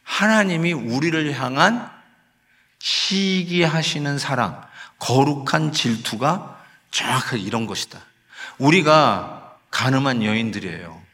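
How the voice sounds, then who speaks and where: A man's voice: medium pitch, expressive, a little slow, bright, forceful tone. A man preaching a sermon as pastor, in a conversational style that slips English phrases into his talk and acts out sighs and scolding. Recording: long hall reverb.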